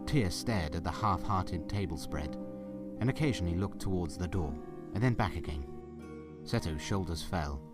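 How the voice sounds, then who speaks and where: A man's voice: deep voice, animated, normal speed, loud music behind the voice. A man narrating a scripted audio drama as a storyteller, with dramatic delivery.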